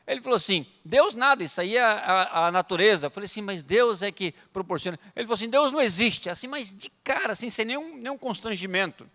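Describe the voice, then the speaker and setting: A Brazilian man preaching a sermon with a Brazilian Portuguese accent, telling stories and swinging from loud emphatic peaks to quiet asides. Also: high voice, lively intonation, quick pace, few pauses. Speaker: pastor. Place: large church sanctuary. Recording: reverberant church hall.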